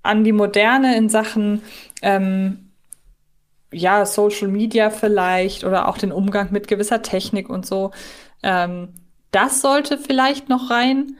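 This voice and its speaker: A woman's voice: medium pitch, fairly even intonation, takes it slowly. A woman hosting a podcast, talking casually and reflectively as she thinks aloud through the discussion. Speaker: podcast host.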